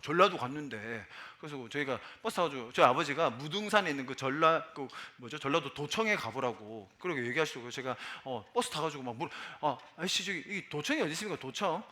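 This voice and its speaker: A man's voice: on the high side, sharp tone. A man in his forties from Busan, a pastor preaching a sermon in a chatty way and asking the congregation questions. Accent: Busan Gyeongsang dialect. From Busan, South Korea. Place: church sanctuary.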